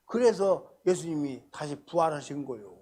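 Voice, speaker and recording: An older man preaching a sermon as pastor at a church prayer meeting, speaking in a colloquial way that swings between loud emphasis and soft asides. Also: a little high, animated, moderate pace, husky. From Korea.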